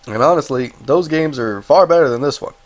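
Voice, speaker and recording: Speaking a little fast at medium pitch, the congested game reviewer rambles through his casual review. He keeps correcting himself and adding apologies, his cold clearly audible.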